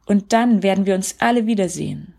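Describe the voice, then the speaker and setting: A woman voicing Jesus as a gentle, sorrowful grown man in a storybook reading, speaking softly and earnestly. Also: medium pitch, a little fast, vocal fry.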